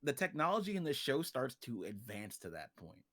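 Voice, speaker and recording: A man's voice: mid-range voice, very animated, fairly quick, a bit bright. A man in a casual livestream chat, explaining a fictional story world in an informal, joking way. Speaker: guest, creator of an original story universe.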